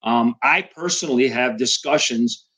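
A man explaining things in a measured way during a casual chat on an online call. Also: medium pitch, sharp tone, slightly rough.

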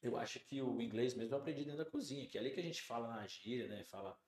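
Brazilian guy, chef on a podcast, animated storyteller, mid pitch, roomy echo. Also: racing. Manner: animated storyteller, acts out quoted dialogue. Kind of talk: casual chat. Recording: roomy studio sound.

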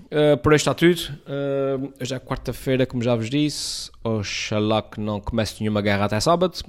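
A man with an Azorean accent from São Miguel, hosting a podcast and chatting casually in reply to a listener's message, rambling with many restarts and fillers. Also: mid-range voice. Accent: Azorean Portuguese, São Miguel. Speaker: podcast host.

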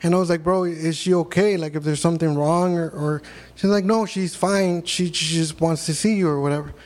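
A man's voice: on the high side, fairly even intonation, brisk, a little mellow. A man in his thirties, a podcast guest, telling blunt, profane stories in casual chat. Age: 30s.

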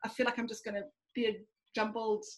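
A woman's voice: a little high, little pitch movement, fast. A woman talking through her fears with a coach, thinking aloud with fillers and hesitations. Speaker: coaching client. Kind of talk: reflective conversation.

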